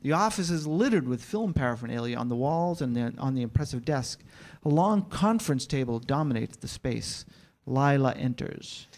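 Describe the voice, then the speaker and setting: A man's voice: mid-range voice, expressive, moderate pace, a little mellow. A man giving scripted narration, reading out stage directions at a staged screenplay reading.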